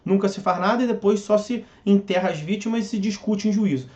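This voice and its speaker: A man teaches civil procedure, keeping it conversational with rhetorical questions and jokey asides. His voice sits high. The recording is dull and lo-fi. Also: a little fast, a little mellow. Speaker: law lecturer.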